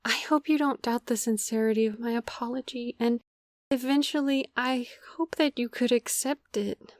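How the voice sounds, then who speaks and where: High-voiced, earnest, remorseful woman, acted. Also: fairly even intonation, moderate pace, no echo, clean studio sound, natural voice. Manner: earnest, formal wording. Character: remorseful, devoted young woman pleading for forgiveness. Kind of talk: audio drama acting.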